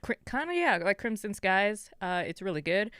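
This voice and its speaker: A woman's voice: medium pitch, sing-song, normal speed, fairly bright tone, clear, resonant tone, no room sound, clean studio sound. A woman from Canada co-hosting a gaming podcast in casual, chatty talk. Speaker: podcast co-host.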